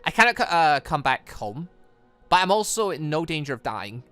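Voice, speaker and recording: A game streamer voicing a calm, teasing ghostly mother from a visual novel, with a playful, reassuring manner. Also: medium pitch, normal speed, soft background music.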